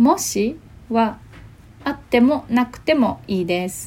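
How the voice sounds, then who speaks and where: A woman's dark, mellow tone carries a somewhat breathy quality. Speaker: Japanese teacher podcaster. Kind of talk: language lesson podcast. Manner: slow, clear for learners.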